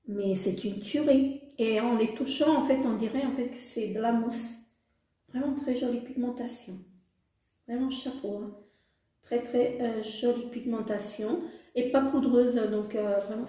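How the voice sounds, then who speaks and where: A woman's voice: fairly high pitch, warm tone. A woman vlogger casually reviewing makeup, gushing with delight and using many fillers. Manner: enthusiastic, repetitive exclamations, many fillers. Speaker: beauty vlogger. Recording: very echoey room.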